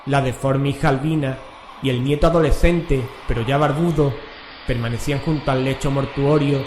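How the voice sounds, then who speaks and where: A man narrating a horror radio drama from a script in a measured, solemn, literary manner. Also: mid-range voice, fairly even intonation, darkish tone. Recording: echoey room, clear background noise.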